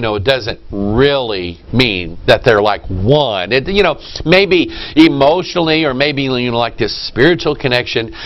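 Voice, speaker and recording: A man speaks at a moderate pace with very wide pitch swings over noticeable background noise. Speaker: pastor. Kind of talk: sermon.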